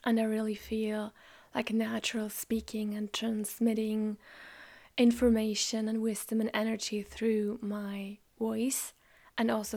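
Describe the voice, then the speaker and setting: A woman whose first language is German hosts a spiritual podcast, talking in a soft, slow, reflective way that often drops close to a whisper. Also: medium pitch. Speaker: podcast host. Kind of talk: calm spiritual podcast monologue.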